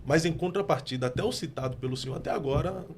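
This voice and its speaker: A man's voice: a little high, quick pace, over a noisy crowd. A man with a Brazilian Portuguese accent, an interviewer asking questions in a polite, formal, deferential way.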